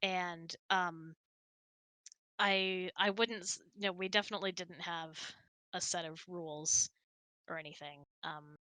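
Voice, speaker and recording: A woman with a bright, forward voice chats casually as a host. She is giggly and animated when telling stories, and the sound is close and dry. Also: lowish voice, a little slow, no room sound. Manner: giggly, chatty, animated storytelling. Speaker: host of a couple's online hangout. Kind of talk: casual chat, answering questions and telling anecdotes.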